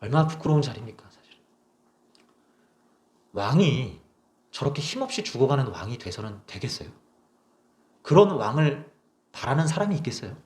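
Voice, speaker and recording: Young guy pastor preaching, swoops high and low, echoey church sound. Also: very animated, normal speed, long pauses, darkish tone. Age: young adult. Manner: emphatic, rhetorical questions. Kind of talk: sermon. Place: small church.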